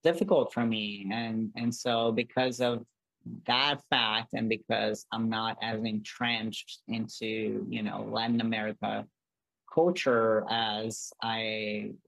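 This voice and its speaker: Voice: medium pitch, level tone, slow, gravelly, a bit bright, no echo, low-quality recording. Guest, rambly w lots of "like", dry close sound. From Brazil. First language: Portuguese. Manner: rambling, many "like" fillers and restarts. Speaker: podcast guest, artist. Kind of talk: casual interview chat.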